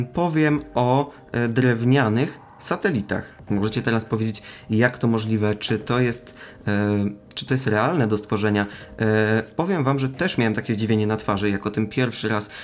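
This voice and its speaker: This man's pitch sits in the medium range, with ordinary variation. His loudness stays very even, and his pace is moderate. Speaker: podcast host and video editor. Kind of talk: casual chat. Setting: live stream.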